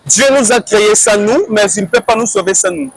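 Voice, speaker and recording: A man's voice: very high voice, lively intonation, a little fast, gravelly, rough recording. A man from Congo with a Congolese French accent, a journalist talking as a guest, confident but with many hesitant fillers. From Democratic Republic of the Congo. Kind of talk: casual interview talk.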